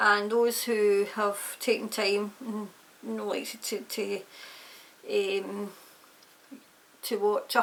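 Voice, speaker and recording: A woman speaks with a strong Scottish accent at a very slow pace and in monotone, flat intonation. Long, frequent pauses break up her speech. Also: medium pitch for a woman. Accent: thick Scottish. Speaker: online channel host doing readings. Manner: hesitant, many fillers.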